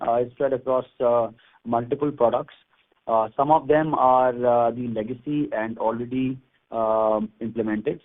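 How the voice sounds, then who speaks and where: A man with an Indian accent answering as a company executive on an earnings call, in halting, measured business talk. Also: mid-range voice. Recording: phone-like conference call line.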